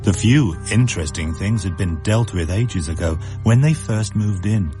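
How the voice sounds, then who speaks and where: A man reading a story aloud in a measured, wry narration. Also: fairly low pitch, expressive, music in the background. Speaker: story reader.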